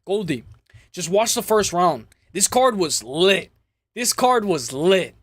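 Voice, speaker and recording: A man with a high, slightly raspy voice hosts a casual fight-talk livestream. He speaks in slangy, chummy phrases that he often repeats as he chats with viewers. The sound is close and dry. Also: big pitch swings, takes it slowly, a bit bright, no echo. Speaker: host of a live MMA preview stream.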